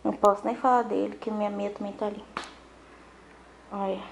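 A woman's voice: medium pitch, flat delivery, fairly quick, gravelly, slight background noise. Young Brazilian woman vlogging while cleaning. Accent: Brazilian Portuguese, Minas Gerais. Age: 20s. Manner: chatty, talks to viewers while cleaning. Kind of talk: casual cleaning vlog chat. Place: apartment kitchen and terrace, indoors.

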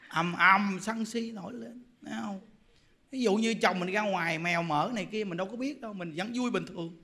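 A man preaching a lively Dharma talk, constantly checking in with rhetorical questions. His voice sits high and sounds bright and forceful. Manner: animated, teasing, full of rhetorical questions. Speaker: Buddhist monk.

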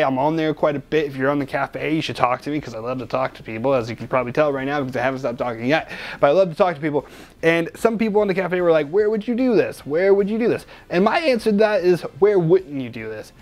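A young man hosting a magic product review, chatty and joking, rambling with lots of restarts and fillers. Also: a little high.

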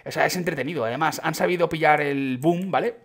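A young man with a Spain Spanish accent giving casual, excitable commentary on his gameplay, chatting to his viewers and breaking into sudden shouts. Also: on the high side, fast. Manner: chatty, addresses viewers as chicos. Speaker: gaming YouTuber.

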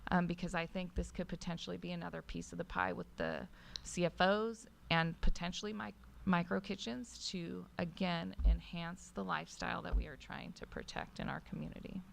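A woman speaks as a council member at a public meeting. Her voice is on the low side and heavily creaky. She gives a considered comment over faint room noise. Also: steady tone, normal speed.

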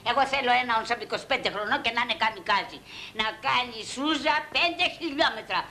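An actress playing a brash, shouting older woman who wants a husband, in a 1980s film comedy. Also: on the high side, expressive, slight background noise. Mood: brash, loud. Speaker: client seeking a husband.

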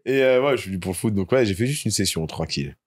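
A young man from France tells his stories as a guest on a podcast. His pitch leaps around as he talks, and he laughs often and swears casually. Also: animated, very fast, breathy edge.

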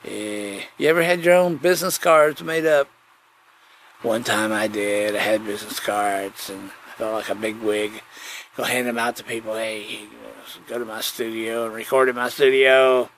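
A man's voice: lowish voice, steady tone, moderate pace, fairly bright tone, slight background noise, rough recording. A man chatting casually on his own as a podcast host, folksy and digressive, often circling back to repeat his phrases. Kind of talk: rambling casual solo chat.

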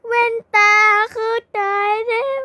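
A woman's voice: takes it slowly, very noisy, close to an everyday voice. A young girl voicing a melodramatic mother who sobs and wails over her broken glasses in a toy game role-play. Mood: fussy. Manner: sobbing, wailing melodramatically.

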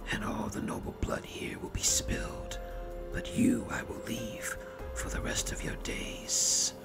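Storybook villain: sinister spider gentleman, raspy dusty whisper, calm and deliberate, music behind. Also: fairly low pitch. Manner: calm, slow, deliberate menace. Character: menacing spider lord of shadows, calm and patient gentleman.

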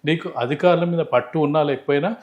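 Fast-talking, higher-pitched man analysing politics. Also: darkish tone. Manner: emphatic, explanatory, repeats phrases for emphasis. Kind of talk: unscripted political commentary in an interview.

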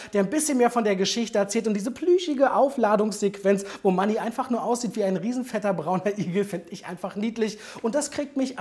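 A woman's voice: medium pitch, darkish tone. A young adult woman hosting a chatty video commentary as a film trailer reviewer.

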